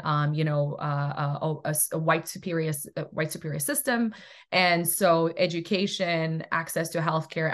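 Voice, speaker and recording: Speaking in a low but fairly bright voice, a middle-aged woman from South Africa delivers a recorded lecture via webcam from her home. As a presenter in a university research toolkit, she comes across as earnest and thoughtful, often using fillers and restarting sentences.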